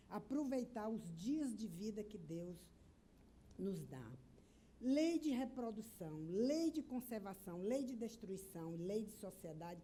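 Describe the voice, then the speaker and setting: In a room with audible echo, a woman speaks at a very slow pace with a fairly high pitch, very wide pitch swings, a dark, mellow tone, and a somewhat breathy quality. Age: 60s. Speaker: spiritist speaker and university professor. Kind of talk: lecture.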